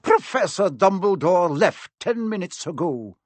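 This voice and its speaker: A stern older woman professor who cuts people off with cold, clipped replies, as a man puts her on. The voice is raised well above the reader's own pitch and swings widely on her rebukes. It is dry and close to the microphone. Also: very animated, measured pace, dry recording, exaggerated voice.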